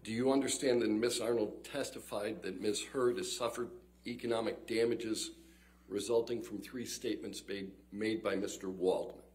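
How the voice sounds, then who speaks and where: Lowish male attorney, courtroom recording. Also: steady tone, darkish tone. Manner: measured, formal, deliberate. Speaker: trial attorney. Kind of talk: formal courtroom questioning.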